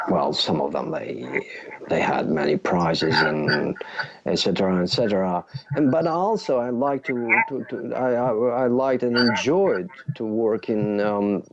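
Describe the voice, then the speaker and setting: A middle-aged man speaks slowly and haltingly in a fairly low voice, often restarting as he searches for words. His voice comes through a muffled remote call with a faint hiss underneath. He sounds like a guest answering interview questions. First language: Albanian.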